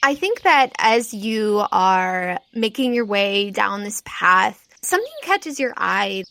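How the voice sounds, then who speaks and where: A woman game master improvising narration for a tabletop roleplaying game in a conversational, descriptive way, pausing often as she sets the scene. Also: mid-range voice, lively intonation, vocal fry, bright, forceful tone. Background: music.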